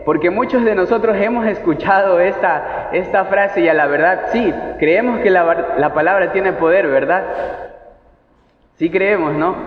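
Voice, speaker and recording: A man preaching a sermon in a conversational way, asking the congregation questions. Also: sits high. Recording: echoey hall, tinny phone-like sound.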